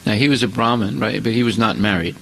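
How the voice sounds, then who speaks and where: A man's voice: fairly low pitch, fast, creaky, fairly bright tone, rough recording. A man giving a scripture lecture, emphatic and full of rhetorical questions.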